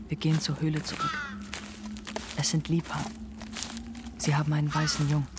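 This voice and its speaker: An actor in a German radio drama playing a lonely Native American wanderer, murmuring in a hushed, reflective way to his animal companion. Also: fairly high pitch, background noise, lightly acted. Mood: melancholy, reflective. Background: music with animal and insect sounds.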